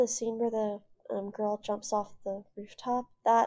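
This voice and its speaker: Dark, mellow tone in a woman's fairly high-pitched voice. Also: dry, close sound with no echo, very clean recording, silent background. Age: young. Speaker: author and artist. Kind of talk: casual chat.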